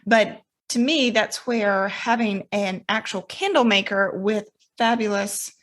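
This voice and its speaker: A woman's voice: mid-range voice, unhurried, a bit bright. A woman hosting an interview, talking casually and backing the guest with frequent affirmations. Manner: conversational, affirming, frequent mm-hmms. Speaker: interview host.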